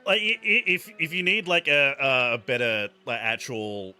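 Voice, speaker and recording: A man's voice: mid-range voice, measured pace, sharp tone, soft background music. A man streaming a game with a friend, joking, reading on-screen text aloud and laughing often. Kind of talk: casual let's-play commentary.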